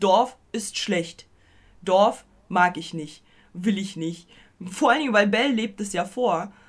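With ordinary pitch variation, the somewhat breathy voice proceeds at a fairly slow pace. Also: woman. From German small town. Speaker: podcast co-host, streamer. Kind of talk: casual chat. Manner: animated.

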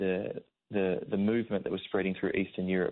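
The speaker is a man. He has an Australian accent. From Australia, Sydney. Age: 40s. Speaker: actor. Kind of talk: interview.

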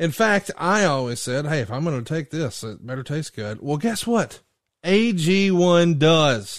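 The pace is fairly slow. Pitch swings are very wide. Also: man, fairly high pitch for a man. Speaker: podcast host. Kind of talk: casual chat.

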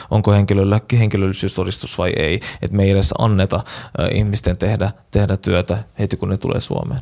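The recording is very clean, with a silent background. A man talks at a moderate pace in a fairly low voice. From Turkish-speaking background, moved to Finland at 14. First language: Turkish (speaking Finnish). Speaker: member of parliament. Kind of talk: panel discussion. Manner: halting, many repeated words.

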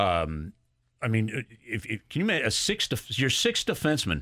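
A man talks fairly slowly, his voice sounding dry and close with no echo, on a very clean recording where the background is silent. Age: 50s. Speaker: hockey play-by-play broadcaster. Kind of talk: casual sports talk radio interview. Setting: radio studio.

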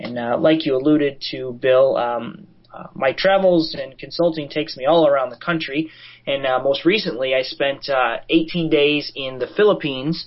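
A man speaks in a normal speaking voice, his pitch fairly high and its variation ordinary. His loudness swings a lot, at a moderate pace. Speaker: Google certified trainer and teacher. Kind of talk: casual chat.

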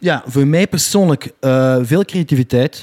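This man's voice has a dark, mellow tone. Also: dry, close sound with no echo. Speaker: DJ. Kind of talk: casual interview chat.

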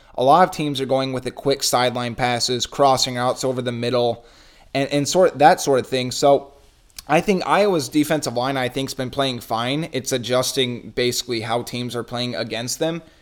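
Speaking with a normal speaking voice, a man talks at a moderate pace and medium pitch with ordinary pitch variation. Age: 20s. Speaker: sports beat writer. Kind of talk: casual chat.

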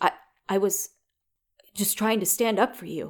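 Speaking in a put-on character voice, a woman sounds shaky at a fairly slow pace. Her pitch sits in the medium range. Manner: quavering, unsteady.

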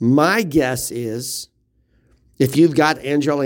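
A man speaks with a slight Oklahoma accent and fairly even intonation, recorded very cleanly against a silent background. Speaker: college football podcast host. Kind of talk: solo sports analysis podcast. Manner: conversational, with fillers and repetitions.

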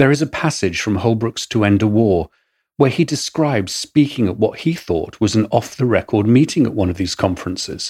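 A man with an English accent speaks at a fairly quick pace in a medium pitch, somewhat breathy and with lively intonation. The recording is very clean, with a silent background. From Britain. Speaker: podcast host. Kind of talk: scripted narration.

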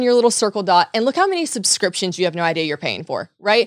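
In a Southern US accent, a woman with a fairly high voice swings her pitch very widely, recorded dry and close with no echo. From US Deep South. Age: 20s. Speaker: social media personality. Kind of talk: casual interview chat.

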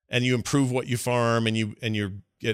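Dry and close with no echo, a man talks at a fairly quick pace. He has an unremarkable speaking voice at medium pitch. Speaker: podcast host. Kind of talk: casual chat. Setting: live stream with chat room.

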